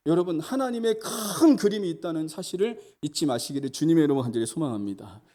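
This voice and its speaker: A man's voice: on the high side, darkish tone. A male senior pastor preaching a sermon, emphatic and repetitive, addressing the congregation directly.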